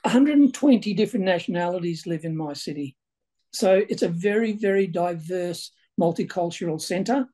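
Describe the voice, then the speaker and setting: Councillor, 60s, from Ireland, webcam call, relaxed dark tone, rambling casual delivery. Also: male voice, high-pitched, moderate pace. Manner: chatty, repeats words as he speaks. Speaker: local councillor. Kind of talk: video call interview. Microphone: video call webcam.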